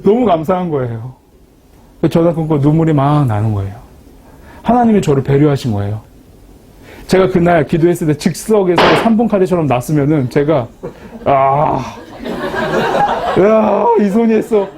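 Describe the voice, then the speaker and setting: A man giving a Christian testimony talk, telling his story in a lively, self-mocking way. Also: a little high, a little fast, a little hiss or hum. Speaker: Christian speaker sharing a testimony.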